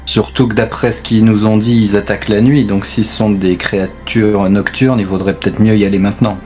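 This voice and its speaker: Low-voiced man discussing game plans. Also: little pitch movement, brisk, a little mellow, soft background music. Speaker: tabletop role-playing player.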